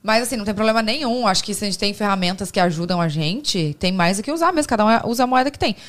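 A woman's voice: mid-range voice, expressive, racing. A Brazilian woman who is a podcast guest and talks in a casual, slangy, frank way. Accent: Brazilian Portuguese.

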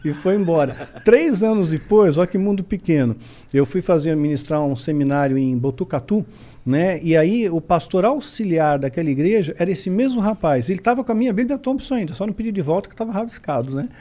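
Brief: Brazilian man, higher voice, lively storyteller who acts out every quote. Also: a little fast. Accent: Brazilian Portuguese. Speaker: podcast guest. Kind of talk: casual storytelling.

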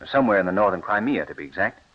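An actor playing an earnest, resolute American wheat scientist in a 1940s radio drama. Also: male voice, on the low side, lively intonation, rapid-fire. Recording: muffled old radio recording.

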